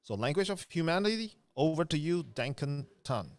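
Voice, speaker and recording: A man's voice: fairly high pitch, expressive, moderate pace. A man hosting an online speech event over a video call, chatty and full of fillers. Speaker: event host.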